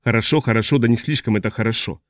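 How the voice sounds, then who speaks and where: A man reading the part of a confused, agitated man who has lost his memory, in a fretful, halting way. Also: medium pitch, dry recording, clean studio sound, close to an everyday voice. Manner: fretful, halting, trailing off mid-sentence. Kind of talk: audiobook character reading.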